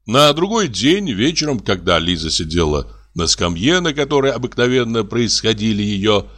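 A man narrating a classic story in an expressive, dramatic audiobook reading. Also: lowish voice, moderate pace.

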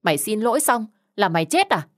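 A woman voicing a harsh, quick-tempered middle-aged mother who shouts insults in an audio story. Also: medium pitch, sing-song, voice pushed up, lightly acted. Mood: furious.

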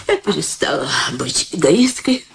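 An older woman playing a wistful, sharp-witted elderly mother in a radio drama, plaintive and theatrical. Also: deep voice, sing-song, measured pace, gravelly, a little hiss or hum, exaggerated voice. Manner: plaintive, dramatic, repeats herself.

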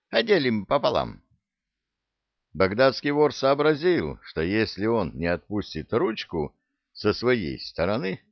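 Low-voiced man narrating a comic tale. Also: no room sound, muffled recording. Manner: expressive, comic storytelling. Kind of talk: audiobook narration.

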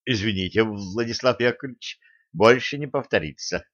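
A man's voice: fairly low pitch, normal speed, fairly bright tone, dry recording, lo-fi sound. A man voicing a sheepish, cheeky young martial arts student who mumbles his apologies.

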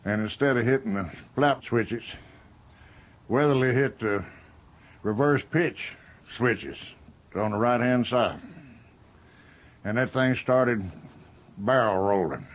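A man's voice: mid-range voice, slow, pauses often, highs cut off. An older man with an American accent, recounting wartime flying as a veteran in an interview. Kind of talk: anecdotal interview reminiscence.

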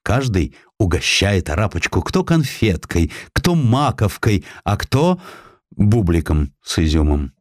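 A man narrating a historical story in an expressive, dramatic storytelling manner. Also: sits low, measured pace, no echo, studio quality. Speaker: audiobook narrator.

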